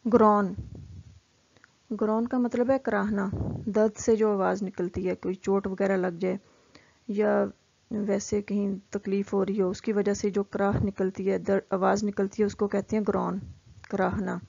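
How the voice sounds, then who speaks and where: A woman teaching vocabulary, explaining each word and reading the example sentences out very slowly and deliberately. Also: medium pitch, little pitch movement, gravelly, darkish tone, highs cut off.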